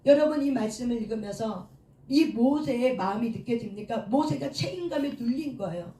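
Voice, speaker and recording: A woman pastor preaches a sermon in a high, mellow voice, leading the congregation in call-and-response. She acts out prayers and quotes with rising emotion, sometimes shouting. She is heard from a distance in an echoey hall. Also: animated, moderate pace. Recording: echoey room, mic at a distance.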